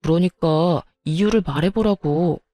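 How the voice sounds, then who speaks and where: Woman doing a scolding husband, story read-aloud, mellow low tone, blunt. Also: measured pace, no room sound, natural voice. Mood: accusing. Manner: blunt, reproachful. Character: angry middle-aged husband scolding wife and mother.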